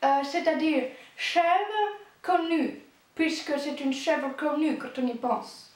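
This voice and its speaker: A woman's voice: high-pitched, slow. A young woman explaining a history topic in a casual, playful way, with joking asides. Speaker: YouTube creator. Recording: very echoey room.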